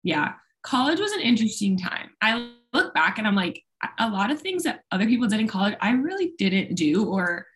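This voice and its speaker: A woman's voice: medium pitch, a bit bright. A young woman whose first language is Spanish, chatting casually about her college years with lots of fillers. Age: young adult. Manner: chatty, rambling with many fillers. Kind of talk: casual chat.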